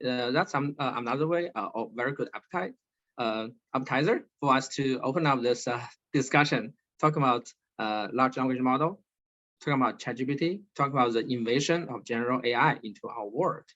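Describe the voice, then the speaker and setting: A man hosting an online talk, moderating with many halting fillers and restarts over a video call. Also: mid-range voice, a bit bright. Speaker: webinar host and moderator. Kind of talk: hesitant online panel moderation. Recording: slightly dull lo-fi video call audio.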